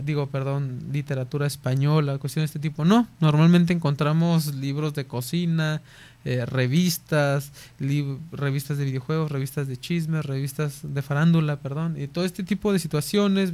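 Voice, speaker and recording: A man giving an explanatory radio lecture on philosophy, pausing often to check in with his listeners. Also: on the high side, a little mellow. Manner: checks in with listeners by asking "¿sí?" after nearly every point.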